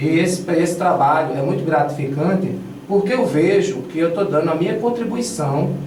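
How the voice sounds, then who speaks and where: A man with a high pitch and ordinary pitch variation talks at a moderate pace over noticeable background noise, with audible room echo. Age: 30s. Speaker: teacher and candidate. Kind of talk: radio debate. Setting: radio studio.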